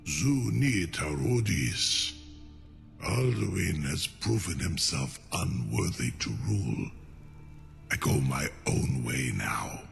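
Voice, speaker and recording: A man playing a proud, cunning ancient dragon in a fantasy game, with a deep gravelly voice and a formal, imperious manner. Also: expressive, long reverb tail, soft background music, heavily acted. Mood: sly, bargaining. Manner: slow, deliberate, formal and imperious. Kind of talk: fantasy video game acting.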